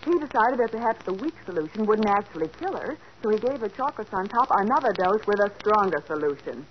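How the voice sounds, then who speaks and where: An actress playing a young, inquisitive detective's assistant in a 1940s radio drama, eager and full of questions. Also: female voice, mid-range voice, very animated, fast, close to an everyday voice. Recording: dull old radio broadcast with faint hiss.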